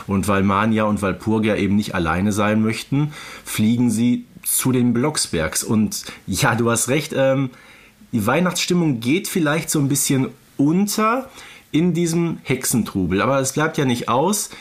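A man's voice: medium pitch, measured pace. A man co-hosting a casual review podcast, conversational and often seeking agreement with short tag questions. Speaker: podcast host. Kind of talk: casual review chat about audio dramas.

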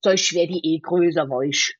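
A woman voicing a chatty Swabian office worker in a put-on Swabian accent, reading haltingly in broad dialect. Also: low-pitched, husky, no room sound, dull audio, pitched below the performer's own voice. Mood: gossipy.

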